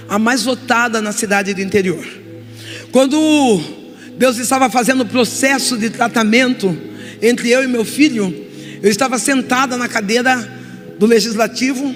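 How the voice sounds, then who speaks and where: A middle-aged woman with a Brazilian Portuguese accent giving an emotional testimony sermon as a guest preacher, moving from soft confession to loud exhortation. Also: a little high. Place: church hall. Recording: reverberant church hall with music.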